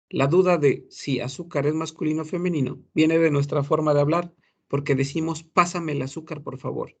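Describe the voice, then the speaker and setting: A man teaching a class, explaining slowly and repeating example phrases aloud. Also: on the high side. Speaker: French teacher for gastronomy students. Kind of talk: classroom lecture.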